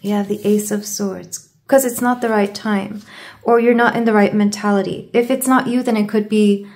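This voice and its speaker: A woman's voice: mid-range voice, steady tone, moderate pace, a little mellow. A woman giving a tarot card reading to her viewers, stumbling over her words and sounding congested from a sore throat. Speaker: tarot reader.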